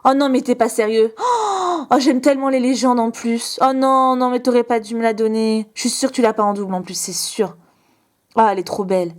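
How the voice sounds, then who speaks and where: A young woman with a fairly high voice chats casually to her viewers as she opens fan mail. She gushes over each item with quick exclamations and little asides to the camera. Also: fairly even intonation. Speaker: vlogger opening fan mail. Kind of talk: casual unboxing chat.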